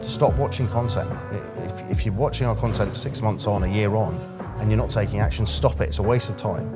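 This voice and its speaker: Fast-talking low-voiced man. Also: loud music behind the voice. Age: 30s. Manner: chatty, laughs easily, blunt and salesy in the pitch. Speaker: dating coach. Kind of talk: street approach conversation and direct pitch to camera.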